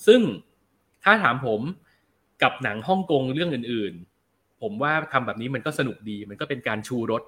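Bright-voiced man chatting about films. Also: mid-range voice, moderate pace. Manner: relaxed, chatty, slangy, reads out viewer comments. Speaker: film review show host. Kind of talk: casual film review chat answering viewers.

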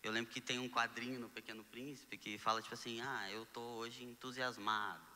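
A young Brazilian man, a guest telling his story in a casual conversation, animated and acting out the dialogue he quotes. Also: medium pitch, fairly quick, in a large hall, a little hiss or hum. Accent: Brazilian Portuguese. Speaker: guest sharing testimony.

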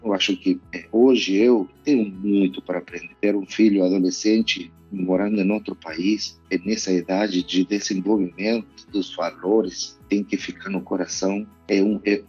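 Husky low Argentine man, earnest. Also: steady tone, moderate pace, hardly any pauses, a little mellow, highs cut off, soft background music. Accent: Argentine Spanish. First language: Spanish. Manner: reflective, earnest, hesitant with "eh". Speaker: pastor and missionary. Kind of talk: casual podcast interview.

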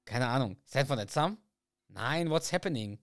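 A man's voice: mid-range voice, expressive, moderate pace, dry recording, clean studio sound. A man co-hosting a casual podcast, retelling a sitcom episode and acting out the characters' lines in raised voices. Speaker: podcast co-host.

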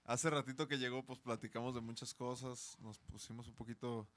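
A man's voice: medium pitch, fairly even intonation, a little fast, fairly bright tone. A man hosting a podcast, asking questions in an easygoing way. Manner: easygoing, short backchannels. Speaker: podcast host. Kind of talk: casual interview chat.

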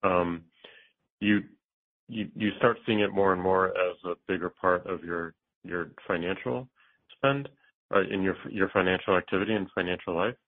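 Man, low pitch, executive on earnings call, thoughtful, halting delivery, muffled phone-band sound. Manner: halting, thoughtful, pausing mid-phrase. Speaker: company executive answering analysts' questions. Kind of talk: earnings call answers, explanatory. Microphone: conference call line.

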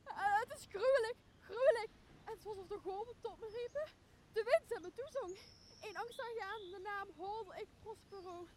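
A woman's voice: very high-pitched, moderate pace, darkish tone. A woman acting an anguished, guilt-stricken noble in a Shakespeare radio play, wailing and tragic. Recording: faint background noise.

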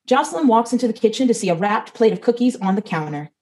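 A woman's voice: a little high, expressive, fast talker, a little mellow, rough recording. A woman reading the stage directions of a comedy script, matter-of-fact.

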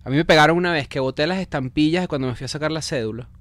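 A man's voice: on the high side, fairly bright tone, dry recording. A young adult man with a Venezuelan accent, a comedian co-hosting a podcast, joking and telling stories in casual banter. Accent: Venezuelan Spanish. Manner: quick, joking, storytelling. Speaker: comedian co-host.

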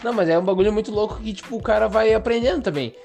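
A man's voice: high-pitched, racing, vocal fry, darkish tone, faint music behind. A man from Rio do Sul, chatting casually as a podcast co-host in a slangy, rambling way with many fillers. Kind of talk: casual chat.

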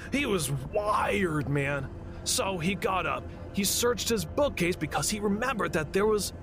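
A laid-back, slangy storyteller in an audio drama, spinning a creepy tale. His voice sits fairly high and he takes his time, with dramatic pauses. Clear music runs underneath. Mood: intense, conspiratorial. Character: casual, foul-mouthed man telling a spooky campfire story.

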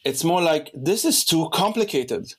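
A man's voice: fairly high pitch, lively intonation, measured pace, slightly rough. A young man from Lebanon hosting a podcast, talking in a loose, rambling way with many restarts. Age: young adult. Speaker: podcast host. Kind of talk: casual conversation.

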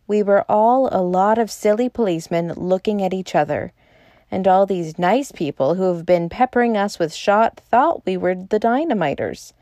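Woman doing a jolly beaming doctor guy, warm low tone. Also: moderate pace, no room sound, natural voice. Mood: jovial. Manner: jovial, beaming. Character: jovial, cheerful male doctor.

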